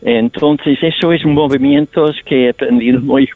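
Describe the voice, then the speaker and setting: A man's voice: medium pitch, steady tone, moderate pace, dry recording. An older male actor talking with a foreign accent in Spanish, thoughtful and anecdotal as he answers. His voice comes through a thin, tinny phone line. The sound is dry, with no room around it. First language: not Spanish. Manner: thoughtful, storytelling, slightly non-native Spanish phrasing. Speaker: stage actor, guest. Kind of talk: radio interview answers.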